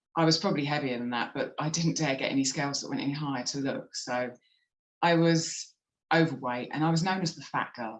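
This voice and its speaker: A woman with a British accent, very deep and low in pitch, at a fairly quick pace with ordinary pitch variation. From England. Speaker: podcast guest. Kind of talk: interview.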